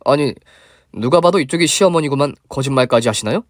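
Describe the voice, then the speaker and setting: A man's voice: mid-range voice, animated, fast talker, no room sound, lightly acted. Storybook role: stiff, courteous manager who won't back down, played by a man, dry recording. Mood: insistent. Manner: formal, insistent. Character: polite but firm buffet manager, a man.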